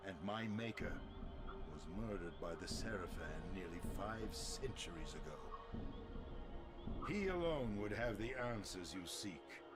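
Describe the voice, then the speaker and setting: An ancient vampire lord for a video game, haughty and world-weary. His speech is very slow and theatrical, with big sweeping swings of pitch and a bitter, sardonic edge. There is clear noise on the recording. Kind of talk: video game cutscene acting.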